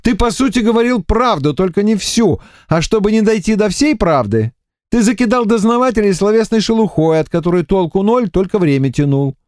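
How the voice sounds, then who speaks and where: A man's voice: sits high, lively intonation, fairly quick, a little mellow, no echo, studio quality, pitched above the performer's own voice. A man voicing a shrewd young male investigator who lays out his reasoning in an audiobook. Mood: probing.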